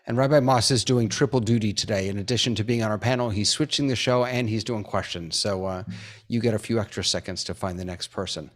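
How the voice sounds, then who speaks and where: A man's voice: on the low side, fast. A man hosting a live webinar over a video call, chatty and upbeat with lots of fillers. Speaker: webinar host.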